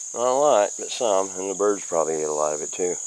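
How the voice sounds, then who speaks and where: The speaker's intonation is lively. Noticeable background noise runs under the voice. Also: man. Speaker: homesteader vlogger. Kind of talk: casual vlog narration. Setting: outdoors. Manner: halting, self-correcting.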